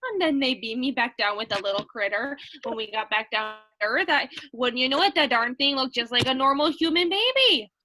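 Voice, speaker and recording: A woman's voice: high-pitched, animated, a little fast, few pauses, bright, forceful tone. A woman playing a sweet, unflappable Midwestern housewife with a folksy Minnesotan accent in a comedy sketch reading. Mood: folksy, matter-of-fact.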